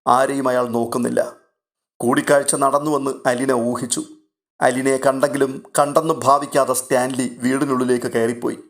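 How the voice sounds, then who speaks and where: Male narrator for a spoken novel, steady and measured. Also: medium pitch.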